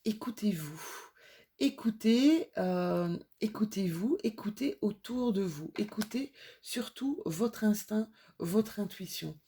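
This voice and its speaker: A woman's voice: medium pitch, lively intonation, slow pace, mellow, a little hiss or hum. A woman with a slight cold giving an intuitive card reading to her viewers in a soothing, reassuring way, with many fillers and restarts. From France. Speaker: tarot card reader.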